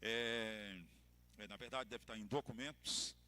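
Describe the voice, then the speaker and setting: A man with a Brazilian Portuguese accent, a pastor giving a church lecture to couples, telling stories with expressive emphasis and light humor. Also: lowish voice, unhurried.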